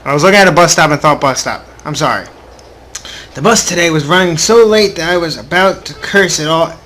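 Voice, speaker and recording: A man's voice: on the high side, fairly quick, pushed and bright. A young adult man hosting a casual gaming video, reading story text aloud informally with offhand asides and the occasional stumble.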